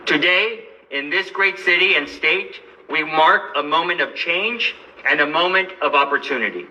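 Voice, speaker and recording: A man from Los Angeles delivers a formal, measured speech with an earnest tone. His voice is bright and slightly high. He sits a bit far from the microphone, with faint background noise. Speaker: lawyer and advocate. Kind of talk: formal speech at a press event. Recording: distant mic with light background noise.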